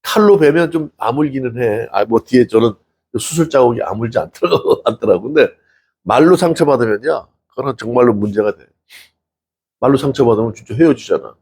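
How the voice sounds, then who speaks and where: A middle-aged man preaches a homey, conversational sermon. His voice has a gravelly, slightly husky grain. He talks to his congregation as if chatting, tossing them questions along the way. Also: medium pitch, a little fast, a little mellow. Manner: chatty, asks the congregation questions, laughs often, acts out quotes. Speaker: pastor.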